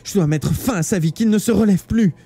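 A man voicing a frightened, tearful teenage schoolgirl in a live audiobook reading, with high, strained pleas. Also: normal speed, warm tone, husky. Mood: desperate.

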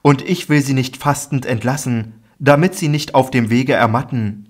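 A man voicing a grave, admonishing teacher, declaiming slowly and emphatically in a Bible audiobook reading. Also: medium pitch, natural voice. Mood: compassionate.

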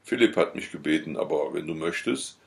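A man's voice: very deep voice, expressive, brisk, gravelly, full character voice. A man voicing a meek, put-upon peasant neighbor who talks in an obliging, eager way, in an audiobook.

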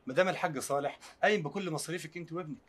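Fast, husky Egyptian go-between. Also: male voice, a little high, a bit bright. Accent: Egyptian Arabic. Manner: reassuring, matter-of-fact. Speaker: go-between friend. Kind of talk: Egyptian TV drama acting.

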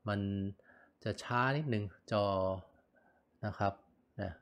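A man's voice: lowish voice, takes it slowly, gravelly, a bit bright. A man giving a casual product review. He talks in a loose, chatty way, repeats himself, and speaks into a small USB condenser mic on a desk in an indoor room. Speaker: gadget reviewer.

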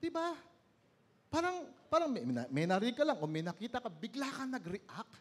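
Male pastor, high voice, lively sermon with call-and-response questions and sudden drops to slow, quiet stress. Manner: preaches in Tagalog mixed with English, asks the congregation questions; swings from loud exclamations to slow, low emphasis.

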